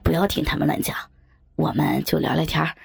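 A woman voicing a nervous, hesitant teenage boy who is the narrator's younger brother, with soft music behind. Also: low-pitched, steady tone, vocal fry, a little hiss or hum, voice pushed down. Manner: hesitant, hurried.

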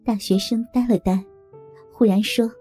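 A woman narrating a first-person audio story in a slow, soft-spoken way. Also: fairly high pitch, steady tone, faint music behind.

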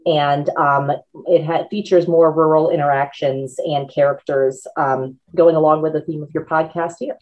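A woman's voice: low-pitched, steady tone, normal speed, lo-fi sound. A woman in her forties, an author talking casually as an interview guest, chatty and laughing often. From Northern Virginia, USA. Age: 40s.

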